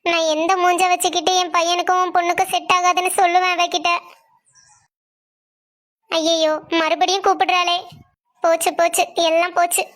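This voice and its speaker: A woman's voice: extremely high pitch, flat delivery, normal speed, pauses often, a bit bright. A woman doing a scolding, fretful mother. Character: middle-aged scheming, scolding mother.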